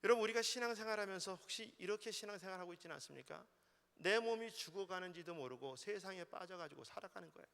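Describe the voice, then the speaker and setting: A male pastor preaching a sermon in a church, swinging between loud exhortation and hushed asides. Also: high-pitched, expressive, quick pace, creaky. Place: church sanctuary. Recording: long hall reverb of a church.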